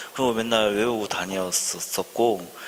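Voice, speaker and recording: Very slow speech in a strong Gyeongsang accent, with ordinary pitch variation and noticeable background noise. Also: man. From Gyeongju/Pohang area, Gyeongsang, South Korea. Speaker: company CEO on talk show panel. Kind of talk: panel talk show.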